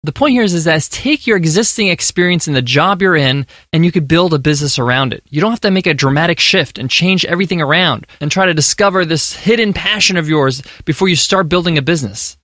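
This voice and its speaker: A man's voice: a little high, animated, quick pace, few pauses, pushed and bright, no room sound, studio quality. An American man hosting a podcast, giving an earnest, emphatic monologue of business advice. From United States. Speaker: podcast host.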